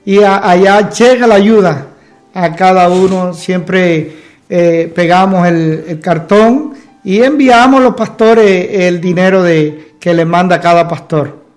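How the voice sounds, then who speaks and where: A male pastor with a Cuban accent giving testimony as a guest, halting and pausing mid-sentence. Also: high-pitched, faint music behind. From Cuba. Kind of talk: testimony in an interview.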